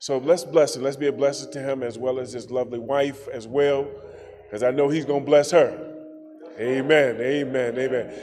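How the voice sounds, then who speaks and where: Moderately paced delivery, intonation fairly even, with music playing behind. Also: man, fairly high pitch for a man. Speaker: pastor. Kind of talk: church invitation and offering appeal. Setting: church.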